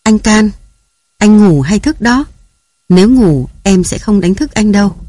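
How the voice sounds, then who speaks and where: Harried young wife and mother, shrill and nagging, raised pitch, put on by the audiobook reader. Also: animated, mellow, no echo, clean studio sound. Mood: chatty, coaxing. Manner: shrill, scolding, hurried. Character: harried young mother shouting at her children. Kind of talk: audiobook character voice.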